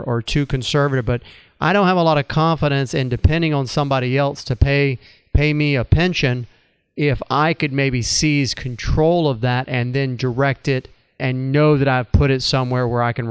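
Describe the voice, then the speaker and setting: A man hosting an interview about retirement money, talking in a measured, thoughtful way with frequent restarts. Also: mid-range voice, fairly even intonation, clean tone, dry recording. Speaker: host. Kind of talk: conversational interview on retirement finance.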